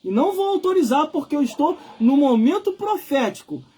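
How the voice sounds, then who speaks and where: A Brazilian-accented man in his forties preaches an informal live sermon on a livestream, emphatic and colloquial, repeating phrases for effect. His voice is very high with big pitch swings, brisk and darkish in tone.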